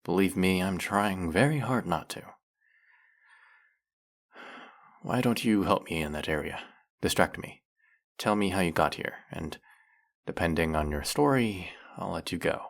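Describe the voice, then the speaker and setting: Male actor as centuries-old vampire hunter, deep voice, creaky rasp, brooding, measured interrogation, wry menace, dramatic roleplay. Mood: wry, restrained. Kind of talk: dramatic audio roleplay, addressing the listener.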